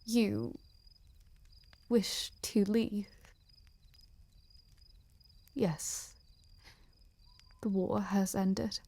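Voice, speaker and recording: Female performer as possessive ice queen general for intimate audio drama; medium-pitched, unhurried, intense, breathy and halting, cruel with a wounded edge. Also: fairly even intonation, dark tone, heavily acted. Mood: hurt, quiet. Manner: halting, slow, intense, often dropping to a breathy whisper. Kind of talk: dramatic audio roleplay addressed to the listener.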